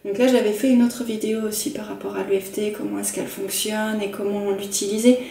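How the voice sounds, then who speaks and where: Soft-voiced woman guiding tapping exercises. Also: mid-range voice. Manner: gentle, repetitive, demonstrating tapping phrases. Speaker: EFT practitioner. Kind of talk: calm instructional talk. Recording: roomy sound from a distant mic with faint noise.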